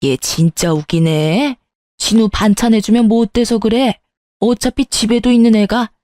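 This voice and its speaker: A woman's voice: a little high, little pitch movement, moderate pace, mellow, dry recording, studio quality, close to an everyday voice. An actress playing a domineering older mother-in-law in a radio drama, scolding and condescending. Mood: indignant. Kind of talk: Korean story radio drama.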